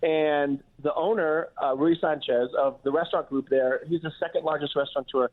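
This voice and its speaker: A man's voice: on the high side, steady tone, normal speed. A man who is a chef and restaurant owner, talking casually as a radio interview guest, with lots of restarts and "you know"s. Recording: tinny phone-line audio.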